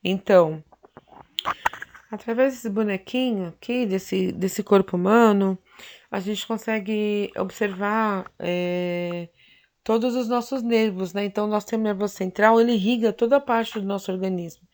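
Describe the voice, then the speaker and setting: A woman's voice: mid-range voice, steady tone, a little slow, darkish tone. Woman teaching, filler-heavy delivery. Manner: explanatory, frequent tag questions and fillers. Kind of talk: recorded anatomy lecture.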